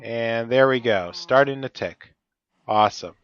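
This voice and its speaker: A man's voice: medium pitch, a little slow, clean tone, dull audio. A man with a stuffy, cold-affected voice, talking methodically through each step of his gameplay. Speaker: Let's Play host. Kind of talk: casual gameplay commentary.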